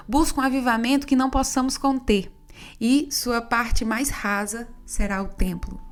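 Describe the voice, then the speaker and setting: Higher-pitched woman reading an audiobook. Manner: steady, measured reading. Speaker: audiobook narrator. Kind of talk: scripted audiobook narration.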